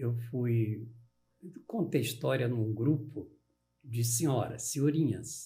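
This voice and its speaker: Speaking very slowly with long, frequent pauses, a man has a medium-pitched, dark, mellow, somewhat breathy voice with fairly even intonation and audible room echo. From Acre, Brazilian Amazon. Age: 70s. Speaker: storyteller and writer. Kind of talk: podcast interview.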